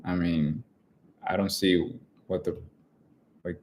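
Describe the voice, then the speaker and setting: Young man, very deep voice, relaxed co-host, casual chat. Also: slow pace, a little hiss or hum. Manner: relaxed and easygoing, thinks aloud with "I mean" and "like". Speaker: co-host, partner of the host.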